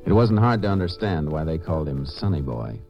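A man playing a calm, shrewd American Texas Ranger, dry and authoritative, in a 1950s western radio drama. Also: a bass voice, a little fast, vocal fry, lo-fi sound, soft background music, heavily acted. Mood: measured, narrating. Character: calm, shrewd male Texas Ranger, dryly probing suspects.

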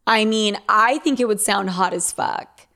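A woman's voice: mid-range voice, unhurried, sharp tone. Young American woman with a Valley girl voice. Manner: Valley girl drawl with frequent "like"; blunt, heavily sweary. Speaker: podcast host giving listener advice. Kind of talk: casual, unfiltered advice talk.

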